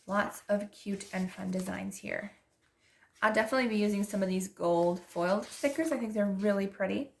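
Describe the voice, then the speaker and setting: Decorating her planner, a young vlogger with an allergy-stuffed nose chats and gushes in a creaky, medium-pitched voice at normal speed. She keeps restarting her sentences.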